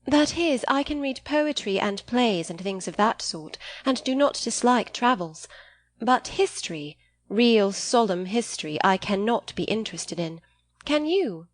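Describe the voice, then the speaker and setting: A woman's voice: on the high side, lively intonation, a little slow, no room sound. A woman voicing a candid, naive teenage girl in an audiobook, speaking in an eager and artless manner.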